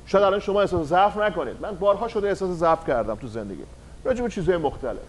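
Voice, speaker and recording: A man, a pastor, preaching a lively sermon in a church, calling out praise and speaking straight to the congregation. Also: sits high. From Iran. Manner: animated preaching, rising to shouts of praise.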